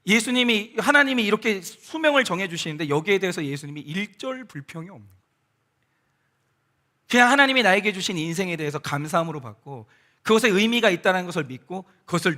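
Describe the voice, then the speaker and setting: A male pastor delivering a Sunday sermon into a church microphone. His voice sits high with a bright, forceful edge and lively pitch swings. He tells stories, dropping softly into other people's words before rising again in emotion. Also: a little fast. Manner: storytelling, quoting people in softer voices, bursts of emotion. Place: church sanctuary.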